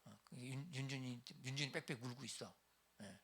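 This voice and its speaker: A middle-aged man pastor preaching a lively sermon to church leaders, acting out everyday quarrels in raised voices. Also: medium pitch, moderate pace, slight background noise.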